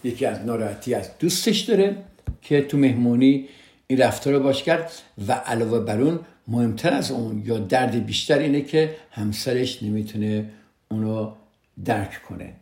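A man's voice: mid-range voice, expressive, darkish tone, roomy sound. A man hosting a radio advice program, speaking earnestly and directly to his listeners, often repeating his main points. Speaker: radio host giving relationship advice. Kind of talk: casual advice talk on a podcast.

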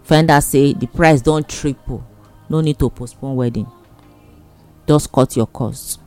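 A man's voice: medium pitch, unhurried, a little mellow, faint music behind. A man with a Nigerian accent giving casual advice in an emphatic, repetitive, plain-spoken way. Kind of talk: casual advice monologue in Pidgin.

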